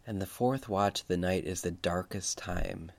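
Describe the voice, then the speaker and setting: Deep-voiced man leading a guided Christian meditation. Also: vocal fry. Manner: unhurried, reflective, repeating phrases for emphasis.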